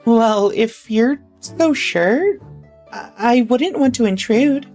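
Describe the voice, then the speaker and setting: A woman's voice: on the high side, lively intonation, slow pace, a little mellow, faint music behind, voice pushed up. A woman voicing a shy, polite young housemaid's daughter who speaks with hesitant deference in a story.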